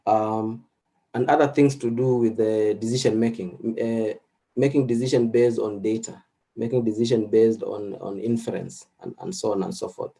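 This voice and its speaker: A man whose first language is Swahili, lecturing slowly and thinking aloud through frequent fillers and restarts. His voice sits a little low and has a mellow, relaxed tone. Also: creaky. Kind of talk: recorded lecture with slides.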